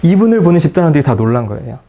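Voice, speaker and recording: Middle-aged guy lecturing on psych, super lively up and down voice, acts out the convos. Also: on the high side, racing. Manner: animated storytelling, acting out dialogue in quotes. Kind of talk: lecture with anecdotes.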